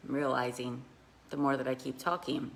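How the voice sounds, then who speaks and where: A slightly raspy woman giving an earnest coaching talk on a live video, asking her listeners questions. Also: a bass voice, little pitch movement, normal speed. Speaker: money mindset coach. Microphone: phone held in hand.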